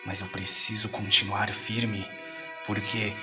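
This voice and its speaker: A troubled, resolute Brazilian priest who studies demons. His lowish voice moves slowly and solemnly, as audio drama narration over prominent music. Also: little pitch movement. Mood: solemn unease. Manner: solemn, measured. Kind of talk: audio drama trailer monologue. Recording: loud musical score underneath.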